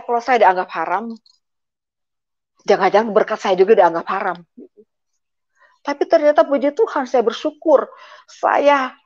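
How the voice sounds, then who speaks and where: A middle-aged woman giving a personal testimony, speaking hesitantly with many filler sounds as she retells painful family events. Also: medium pitch. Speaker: guest giving a conversion testimony. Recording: dull lo-fi audio.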